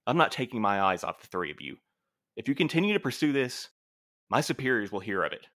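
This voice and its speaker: An actor playing a stern, dutiful postmaster in an audio drama, with a dramatic, formal, commanding manner. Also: male voice, medium pitch, sing-song, fast talker, a bit bright. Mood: stern, exasperated. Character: stern, dutiful, theatrical male postmaster of couriers.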